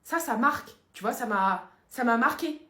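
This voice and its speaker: A whiny, self-pitying young cheater, as a woman acts him out in a comedy sketch, fairly high and muttering excuses. The sound is roomy and echoey. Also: animated, normal speed, pushed and bright.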